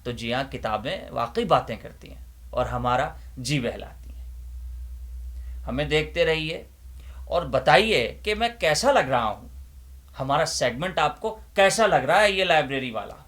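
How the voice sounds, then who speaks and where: A man's voice: fairly high pitch, expressive. A man playing a kindly uncle librarian, chatting in an avuncular, coaxing way to children and parents as he presents a library segment. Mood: gently pleading. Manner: avuncular, coaxing, gently pleading.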